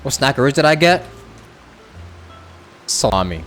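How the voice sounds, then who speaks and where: A man's voice: mid-range voice, sing-song, a little slow, fairly bright tone, faint music behind. A man streaming a game live, chatting in a rambling, casual way and saying "like" a lot.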